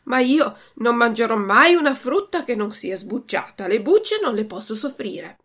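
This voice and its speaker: A woman's voice: a little high, big pitch swings, moderate pace, fairly bright tone. A woman voicing a hungry, fussy wooden puppet boy in a storybook reading, whiny and petulant.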